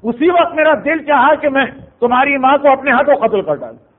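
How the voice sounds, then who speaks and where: Grieving widow owning up to old jealousy in a man's voice, pitched way high, tinny phone-like sound. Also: expressive. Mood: remorseful. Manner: storytelling in first person, lamenting. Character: grieving remorseful widow recounting her jealousy.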